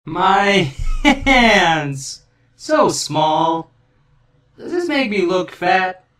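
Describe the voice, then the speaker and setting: A manic little cartoon demon. The voice is sharp and forceful, very drawn out and lively in pitch. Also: male voice, very slow, heavily acted. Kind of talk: cartoon character impression.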